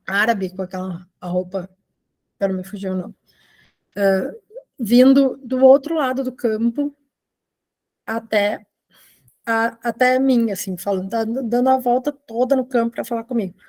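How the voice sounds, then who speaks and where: A woman from Argentina living in Brazil, a photojournalist giving an informal online talk in a halting, conversational way with trailing asides. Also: fairly high pitch, warm tone. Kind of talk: informal online presentation of own work. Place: video call.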